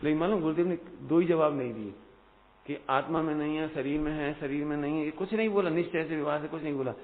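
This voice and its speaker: A man giving a devotional discourse to a hall audience, animated and questioning his listeners, rising to loud emphatic peaks. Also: a little high, quick pace. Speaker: Jain discourse speaker. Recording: phone-like audio in a reverberant hall.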